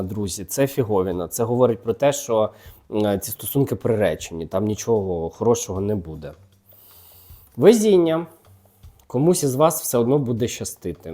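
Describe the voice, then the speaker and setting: A man's voice: mid-range voice, mellow. A man hosting a gossip channel, chatting casually and teasingly while reading tarot cards and talking straight to the people he gossips about. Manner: chatty and teasing, talks directly to celebrities.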